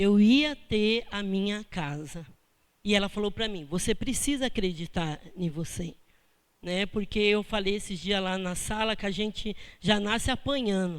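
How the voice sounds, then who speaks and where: At a fairly slow pace, a woman speaks in an unremarkable speaking voice at a medium pitch. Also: ordinary pitch variation. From São Paulo, Brazil (born in Bahia, moved at five). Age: 40s. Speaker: housing movement activist and worker-school student. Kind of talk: personal testimony.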